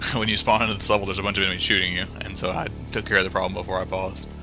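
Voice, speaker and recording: Very deep, low male voice set against background music. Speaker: let's play gamer. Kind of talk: casual gameplay commentary.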